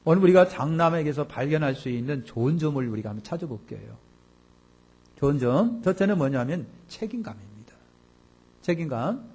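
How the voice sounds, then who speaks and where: A male pastor delivers a lively, colloquial sermon and keeps putting questions to his listeners. His voice sits fairly high for a man. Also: husky. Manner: animated, colloquial, questions the congregation.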